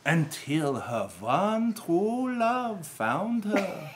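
A woman's voice: fairly low pitch, big pitch swings, drawn-out words, noisy background. A woman reading storybook narration at a live table read, playful and giggling as she goes.

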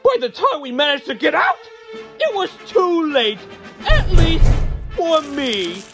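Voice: high-pitched, big pitch swings, slow, full character voice. An actor playing an eccentric old demon inventor in a cartoon fan dub, pompous and vengeful, declaiming theatrically over music. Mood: aggrieved. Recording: loud music under the voice.

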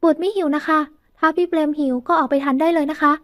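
A woman's voice: sits high, fairly even intonation, fast talker, voice pushed up, natural voice. A woman voicing a flustered young woman disguised as a bride, speaking sweetly and politely.

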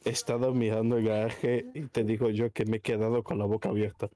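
A man's voice: lowish voice, flat delivery, fast talker, dark tone. A man with an accent from Spain, chatting casually with friends in a gaming voice chat. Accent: Spanish, from Spain. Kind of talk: casual gamer banter in voice chat.

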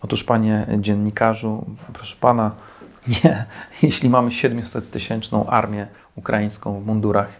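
In front of a plain white wall in a small room, a forties-aged Polish defense commentator mocks and criticizes with sarcasm, addressing the camera. His voice is fairly low and his delivery flat, at a moderate pace.

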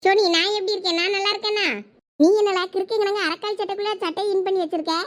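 A woman playing a fast, high-voiced teasing village girl. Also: fairly even intonation. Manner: sharp-tongued, mocking, chatty. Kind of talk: comic skit acting.

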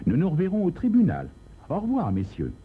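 A man voicing a shabby little man who pleads with a put-on foreign accent and then turns calm and menacing, in a storybook crime reading. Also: on the high side, brisk, breathy edge, voice pushed up, exaggerated voice. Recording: tinny lo-fi recording, faint hiss.

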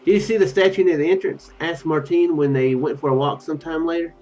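A man's voice: on the high side, fairly even intonation, fast, darkish tone. A young man doing let's play commentary and reading game text aloud, hesitant and rambling, with trailing asides. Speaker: video game streamer. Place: indoor room at home. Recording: dull, lo-fi microphone sound. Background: game music.

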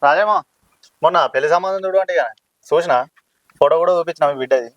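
A man's voice: on the high side, fast talker, no room sound, muffled recording, natural voice. A man playing a caste-proud village elder who scolds and lectures. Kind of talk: village drama acting.

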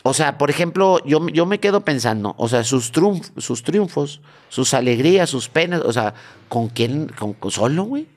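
A man's voice: a little high, animated, moderate pace. A man with a Mexican accent, a comedian guest bantering and teasing his partner in casual comedic talk. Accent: Mexican Spanish. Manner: joking, teasing, rambling.

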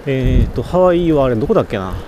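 A man's voice: mid-range voice, very animated, fast, lo-fi sound. A man riding a bicycle outdoors, chatting casually on a live stream and answering viewer comments as he goes. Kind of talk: casual live-stream chat while cycling. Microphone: camera mounted on the bicycle. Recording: loud wind buffeting, road traffic. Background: strong wind noise and passing traffic.

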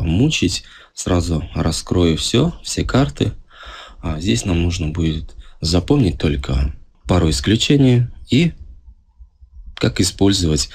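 Slow, husky-voiced male language teacher. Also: deep voice. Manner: relaxed, explains step by step, asks the viewers questions. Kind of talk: casual video lesson. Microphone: voice-over over filmed handwritten notes.

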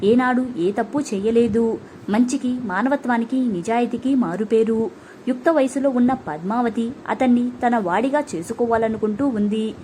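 A woman narrating an audiobook story in a calm, measured way. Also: a little high, a little hiss or hum.

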